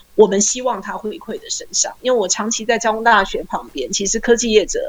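A woman talks at a fairly quick pace in a fairly high voice. Noticeable background noise sits behind her. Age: 40s. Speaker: law professor. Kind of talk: online panel discussion.

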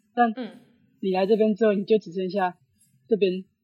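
The pace is moderate. The voice sounds somewhat breathy. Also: woman. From Taiwan. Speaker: student athlete. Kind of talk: casual interview. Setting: video call. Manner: halting.

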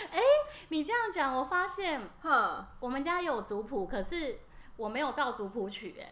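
Over noticeable background noise and audible room echo, a woman uses a raised, projected voice, high-pitched with very wide pitch swings. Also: moderate pace. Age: 40s. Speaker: spiritual teacher. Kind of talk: casual chat.

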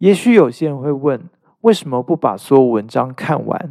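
Silence fills the background of this very clean recording. The delivery moves along at a fairly slow pace. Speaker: book podcast host. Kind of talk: solo podcast talk.

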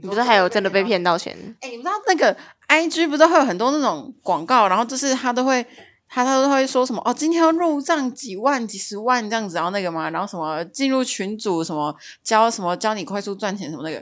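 Talking at a very fast pace in an animated tone, a woman with a Taiwanese accent uses a fairly high voice that swings very widely in pitch. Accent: Taiwanese Mandarin. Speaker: podcast co-host. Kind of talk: casual chat. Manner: animated, laughing often.

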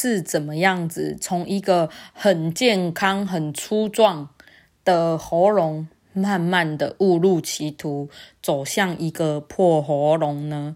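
Very slowly and with ordinary pitch variation, a woman speaks at a fairly low pitch on a very clean recording with a silent background. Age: 30s. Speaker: podcaster. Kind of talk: casual monologue. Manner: casual.

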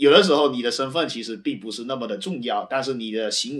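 In an ordinary speaking voice, a man moves along at a fairly quick pace. Pitch variation is ordinary. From China, Fuzhou. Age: 20s. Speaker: high school math teacher. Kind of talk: interview conversation.

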